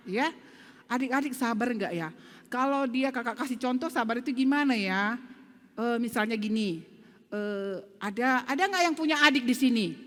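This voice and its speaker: A woman leads a children's Sunday school lesson in a church. She coaxes the kids with lively questions, and her voice carries a long reverb from the church live stream. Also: high-pitched. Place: church hall.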